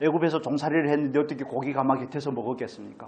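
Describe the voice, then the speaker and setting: A man with a fairly high pitch talks at a fairly quick pace, with audible room echo around him. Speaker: pastor. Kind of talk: sermon. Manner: sharp intonation that can sound angry.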